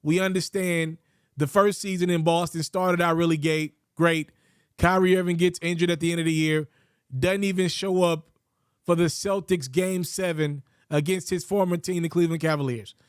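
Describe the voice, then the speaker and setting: A man giving casual, opinionated basketball commentary, his voice a little raspy after just having his wisdom teeth pulled. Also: fairly high pitch, fairly even intonation, no room sound, studio quality. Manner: quick, opinionated, conversational. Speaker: sports commentator.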